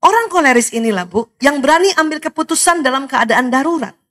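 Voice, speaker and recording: A middle-aged woman lecturing to mothers in a lively seminar talk. She laughs often and keeps asking the audience questions. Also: high voice, fast talker.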